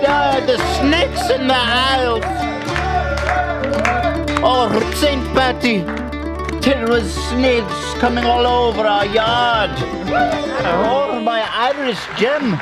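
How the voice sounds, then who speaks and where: A man on a podcast voicing a rowdy, boastful leprechaun-type Irish character in an exaggerated put-on accent, often shouting. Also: very high-pitched, voice pushed up. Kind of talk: comedic bit on a podcast.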